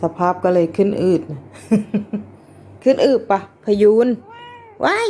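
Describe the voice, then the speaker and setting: A woman's voice: medium pitch, very animated, takes it slowly, warm tone, slight background noise. A woman chatting casually while filming her pet cat, laughing often and talking to the cat between stories. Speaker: cat owner vlogger.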